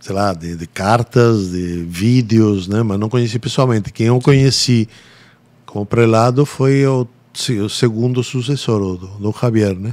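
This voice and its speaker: A man talks at a fairly slow pace in a Spanish accent. His pitch sits in the medium range with ordinary variation. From Spain. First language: Spanish (speaking Portuguese). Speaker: literature teacher, podcast guest. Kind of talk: casual interview. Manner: hesitant, with many fillers.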